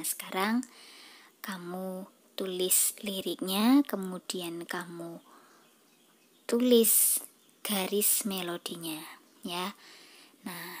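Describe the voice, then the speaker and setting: A woman reading a schoolbook lesson aloud to children, patient and soft, half-whispering. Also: medium pitch. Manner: slow, patient, addresses children directly. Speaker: teacher.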